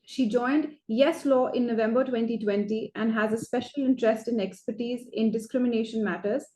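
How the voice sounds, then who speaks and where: Casting: higher-voiced woman emcee, formal and measured, echoey room. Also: steady tone, mellow. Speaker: awards ceremony host. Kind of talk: reading formal introductions.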